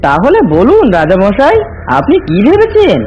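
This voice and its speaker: A man plays a cartoon fox husband, high-voiced and hugely animated. He sounds pleading and expressive. The recording is slightly dull with faint music. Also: normal speed, a little hiss or hum, heavily acted. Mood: worried. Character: soothing, worried male fox husband. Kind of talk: animated fable character acting.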